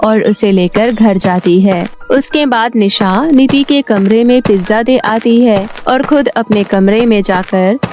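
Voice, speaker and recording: A woman narrating a storybook cartoon in a clear, steady storytelling voice. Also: medium pitch, unhurried, few pauses, faint music behind.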